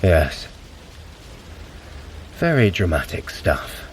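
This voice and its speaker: An actor playing a sly trickster god and sorcerer in an audio drama, with a dry, dramatic, articulate delivery. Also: male voice, sits low, very animated, very slow, heavily acted. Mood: wry, musing. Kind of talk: scripted audio drama acting. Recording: clear background noise of ambient effects.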